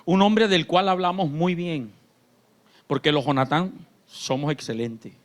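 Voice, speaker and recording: A man pastor, preaching a sermon in church. His delivery swings between shouted fervor and quiet, confiding talk. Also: fairly high pitch, unhurried. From Colombia. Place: church sanctuary.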